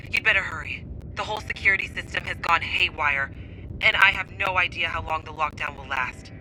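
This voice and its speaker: An actor playing a cocky, brisk prison hacker in a video game, giving casual, clipped instructions. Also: male voice, fairly high pitch, sharp tone, slight background noise, rough recording. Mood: urgent.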